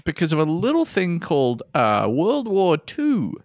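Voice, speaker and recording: A man co-hosting a comedy podcast, reading out listener posts and adding deadpan jokes. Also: on the high side, a little slow, dry recording, clean studio sound. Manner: jokey, deadpan asides, frequent laughs. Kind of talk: casual comedic podcast chat.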